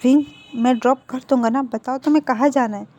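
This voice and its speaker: A woman's voice: high voice, fairly quick, a little mellow. A woman voicing a cold, impatient young man who answers curtly. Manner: curt, dismissive. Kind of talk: storybook dialogue read by a narrator.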